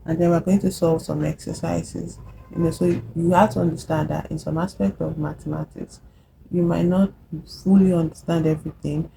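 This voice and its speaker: A math tutor vlogger with a Nigerian accent gives a casual whiteboard lesson, chatty and encouraging, checking in with "yeah?" and "okay?" and slowing down to spell out formulas as she writes. Her low voice is steady and creaky, with noise in the background.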